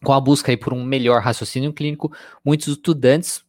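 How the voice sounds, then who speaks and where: A man's voice: medium pitch, steady tone, brisk, dry recording, clean studio sound. A man with a Brazilian accent, a psychologist giving a conversational live-streamed lecture, often dropping in tag questions. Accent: Brazilian Portuguese. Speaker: psychologist teaching a live class.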